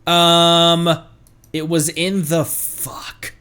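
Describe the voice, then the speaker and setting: A man's voice: a little high, completely flat delivery, extremely slow, pushed and bright, smooth. A man doing casual, playful gameplay livestream commentary, goofy, sweary and given to silly little noises. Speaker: streamer playing a video game. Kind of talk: casual gameplay livestream commentary, reading game text aloud.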